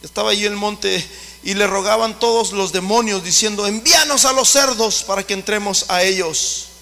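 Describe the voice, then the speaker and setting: A male pastor, preaching a fervent sermon that rises to shouts. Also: high voice, normal speed, vocal fry, long reverb tail.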